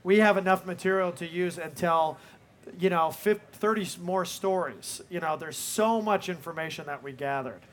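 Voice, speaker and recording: A man with a fairly high speaking voice answers questions from a live audience. He is a film director talking off the cuff, looping back on himself and filling gaps with "you know". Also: moderate pace, slight background noise. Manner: rambling, leans on "you know".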